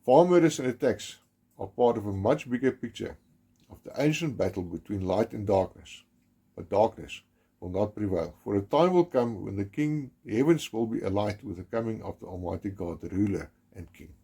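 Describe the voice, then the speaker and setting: Solemn South African man narrating, husky. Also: fairly low pitch, lively intonation, dark tone. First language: Afrikaans. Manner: grave, measured, with emphatic stresses and some restarts. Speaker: documentary narrator.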